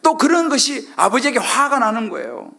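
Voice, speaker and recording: Lively, gravelly-voiced man preaching. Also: very high voice, brisk. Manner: questioning the congregation, acting out quoted lines. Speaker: pastor. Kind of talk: sermon.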